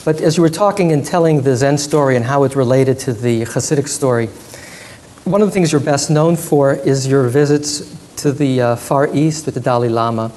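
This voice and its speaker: Man interviewing, measured questions. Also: medium pitch, a little mellow.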